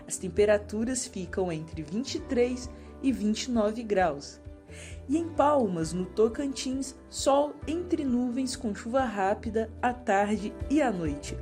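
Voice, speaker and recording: A woman reads the weather forecast in an even, measured delivery. Her voice is high-set but mellow and warm, with faint music playing beneath it. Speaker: weather reader. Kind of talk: scripted weather report. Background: faint background music.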